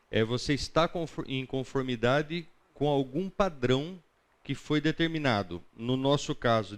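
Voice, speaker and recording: A Brazilian man teaching a Bible class in a conversational, didactic lecture style, often putting questions to his listeners. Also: mid-range voice.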